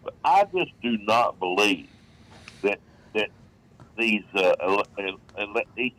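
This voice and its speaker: A man with a Southern US accent calling in to a radio show, talking haltingly with many fillers and restarts. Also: on the low side, lively intonation, fairly bright tone, low-quality recording. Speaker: caller. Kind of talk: phone call to a radio show.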